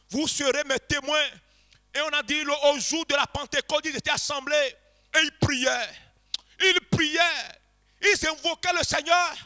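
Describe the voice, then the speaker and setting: A man preaching a revival sermon to a congregation, passionately shouting and chanting repeated phrases and leading them in prayer. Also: extremely high pitch. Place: church congregation.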